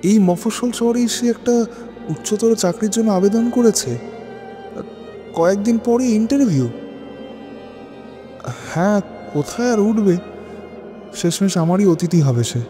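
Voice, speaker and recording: Brooding widower narrator male actor, introspective and theatrical, mellow tone, music beneath, audio drama. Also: high-pitched, lively intonation. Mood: uneasy, reflective. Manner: introspective, theatrical, with rhetorical questions and pauses. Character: brooding, lonely widower narrating his haunted memories. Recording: long reverb, music bed underneath.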